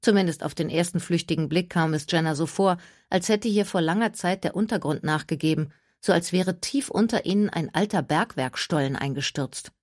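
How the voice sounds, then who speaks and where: A woman narrating an audiobook in even, clear storytelling. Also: on the low side, fairly quick, hardly any pauses, no echo, studio quality.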